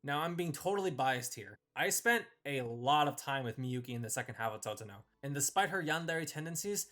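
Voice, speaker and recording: A man's voice: mid-range voice, animated, fairly quick, pushed and bright. A man hosting a casual ranked-list review, giving opinionated commentary on characters.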